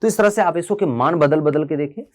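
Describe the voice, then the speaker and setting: A man's voice: fairly high pitch, fairly quick. A man teaching a physics lecture in Hindi, explaining step by step and asking his students questions, calling them "beta". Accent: Hindi, north Indian. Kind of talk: classroom lecture.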